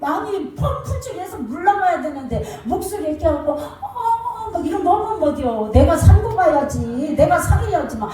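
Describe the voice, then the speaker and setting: Woman pastor, sermon; high, mellow voice, sing-song delivery with shouted commands; distant mic in a very echoey church hall. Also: moderate pace, few pauses, soft background music. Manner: animated storytelling, sing-song preaching cadence; shouts commands mid-story.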